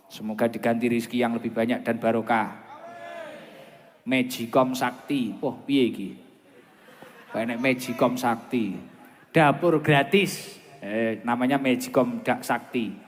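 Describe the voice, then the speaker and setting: A man with a Javanese accent preaching informally over a PA at a large gathering, chatting and bantering with the crowd as he repeats phrases. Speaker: Muslim preacher. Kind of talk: informal sermon with asides to the crowd. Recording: long booming reverb of an outdoor PA.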